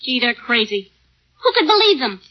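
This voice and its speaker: An actress playing a brisk, sharp-tongued secretary friend in a vintage radio drama, tart and sarcastic. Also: female voice, high voice, very animated. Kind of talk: 1940s radio acting. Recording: dull old radio recording.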